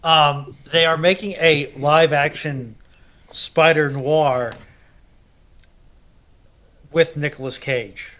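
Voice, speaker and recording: A man's voice: on the high side, slow, pauses often, bright, forceful tone, a little hiss or hum. A man on a panel, chatting casually. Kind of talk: casual chat.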